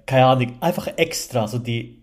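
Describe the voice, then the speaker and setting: A man's voice: medium pitch, moderate pace. Swiss German man hosting a casual podcast. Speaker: podcast host. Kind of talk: casual film chat.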